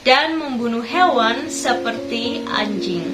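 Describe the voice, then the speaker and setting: A woman with a hoarse voice from a cold hosts a chatty educational video, asking her viewers questions as she narrates facts. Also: a little high, slow. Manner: chatty, asks viewers questions, mixes in English phrases. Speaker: educational YouTube host. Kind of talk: scripted encyclopedia narration. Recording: echoey room with loud background music.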